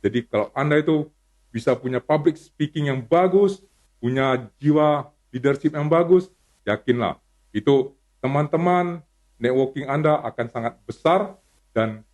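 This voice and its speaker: A man's voice: medium pitch, lively intonation, normal speed, a little mellow. Earnest man telling his life story. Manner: earnest, motivational, repeats phrases for emphasis. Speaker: guest business founder.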